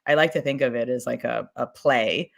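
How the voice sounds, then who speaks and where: A woman's voice: a bass voice, fairly quick, vocal fry. A woman speaking informally and emphatically as a fiction podcast creator in a casual panel discussion, with an enthusiastic manner.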